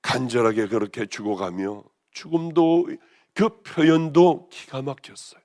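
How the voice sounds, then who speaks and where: Hoarse woman pastor preaching with passion. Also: very deep voice, lively intonation, unhurried. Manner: impassioned, swinging between raised exclamations and hushed near-whispers. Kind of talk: sermon.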